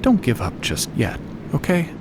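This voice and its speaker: Audio drama role: reassuring woman traveller voiced by a man, lifted above his usual low talk, ambient rumble behind. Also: huge pitch swings, moderate pace. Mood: gentle comfort. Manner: reassuring, soothing. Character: warm, consoling woman, stranded traveller, encouraging friend.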